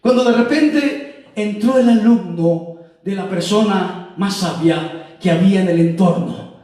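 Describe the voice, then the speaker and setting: A man preaching a storytelling sermon, from Colombia, dramatic, moving between loud bursts and hushed slow lines. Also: high-pitched. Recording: very echoey hall, mic far off.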